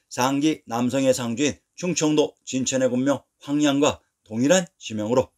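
A man narrating a scripted history lesson, reading dates and place names in a steady, measured way. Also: medium pitch.

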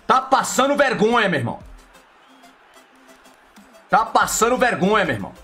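A man's voice: high-pitched, sing-song, moderate pace, sharp tone, faint music behind. A Brazilian man streaming a football video game, taunting and swearing at his online opponent. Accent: Brazilian Portuguese. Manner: trash-talking, mocking, profane. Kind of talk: live gameplay commentary.

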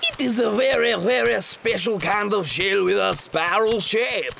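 A man's voice: sits high, unhurried, vocal fry, heavy background noise, heavily acted. A man voicing a dreamy, self-absorbed cartoon rooster art teacher in a grandiose, theatrical manner. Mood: sly indulgent. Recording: music under the voice.

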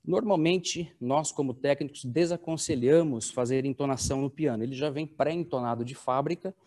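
A man's voice: medium pitch, normal speed, warm tone. A Brazilian man in his forties, a piano technician explaining his craft in a workshop, often checking in with tag questions. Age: 40s.

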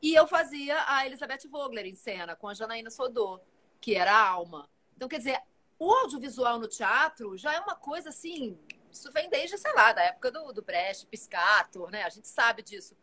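A woman's voice: on the high side, normal speed. A woman in her forties, an actress, talking casually and animatedly as a guest on a live video call from home. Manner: animated, talkative, gestures while speaking. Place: home room with plants and shelves.

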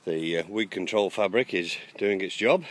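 Deep-voiced man touring his allotment. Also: normal speed. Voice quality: hesitant, frequent ums and uhs. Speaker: allotment vlogger. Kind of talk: casual walkthrough narration. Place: outdoors on a garden allotment.

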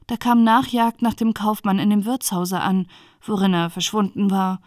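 A woman reading a dark bedtime fairy tale aloud in a calm, even narrating voice. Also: mid-range voice, moderate pace, no echo, clean studio sound. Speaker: storyteller.

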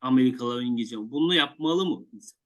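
A man in a relaxed talk, asking questions about learning English. His pitch is ordinary for a man, and he speaks calmly and plainly. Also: brisk, low-quality recording. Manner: inquisitive, poses questions. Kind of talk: casual discussion.

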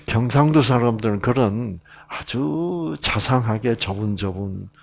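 Middle-aged Bible lecturer, Gyeongsang Korean accent, gravelly voice with lively pitch, anecdotal and full of asides. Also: male voice, measured pace. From Gyeongsang province, Korea. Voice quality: gravelly and husky. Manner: chatty storyteller, many fillers and asides.

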